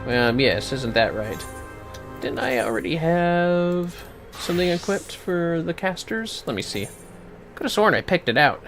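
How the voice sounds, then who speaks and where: A man's voice: on the high side, very animated, measured pace, a bit bright, faint music behind. A man livestreaming a video game with casual, irreverent commentary, swearing and tossing in jokey asides. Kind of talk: casual play-by-play commentary, reading dialogue aloud.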